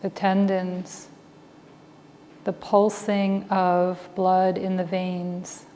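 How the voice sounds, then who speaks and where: Slow, soft-toned woman guiding meditation in reverb. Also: fairly low pitch. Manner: calm, deliberate, with long pauses between short phrases. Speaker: meditation teacher and Buddhist chaplain. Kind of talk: guided meditation instruction. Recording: reverberant hall with faint background noise.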